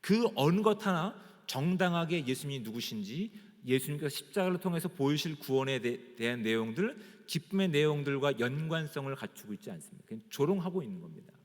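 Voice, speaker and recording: A male pastor preaching emphatically, tossing rhetorical questions to his congregation. His fairly high voice rises and falls in lively swings. The sound carries a long reverb, as if captured across a church sanctuary. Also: a little fast, hardly any pauses. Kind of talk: sermon.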